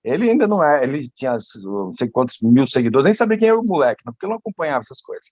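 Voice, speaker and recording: A man's voice: mid-range voice, sing-song, racing, darkish tone, no room sound, lo-fi sound. A man chatting casually and telling an emphatic story as a guest in an online lesson. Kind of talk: casual chat.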